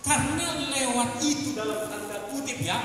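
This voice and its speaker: A male pastor preaches in a church hall, swinging from plain talk to shouted exhortation. His voice sits high, and the sound comes from a distance with heavy echo. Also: moderate pace, a little hiss or hum. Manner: shifts between talk, shouted exhortation and sung prayer. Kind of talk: sermon.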